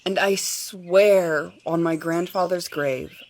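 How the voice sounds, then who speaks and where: A woman's voice: lowish voice, fairly even intonation, slow, a little mellow, slight background noise. A woman acting in an audio drama as an earnest, easily moved Sasquatch watcher. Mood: sad, tearful.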